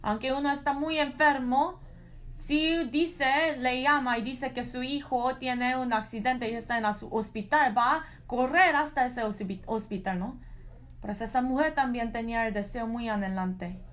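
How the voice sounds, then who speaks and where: Woman, sermon interpreter; earnest, halting delivery, slightly high pitch. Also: a bit bright. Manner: earnest, with frequent restarts and "¿no?" tags. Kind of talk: live Spanish interpretation of a sermon.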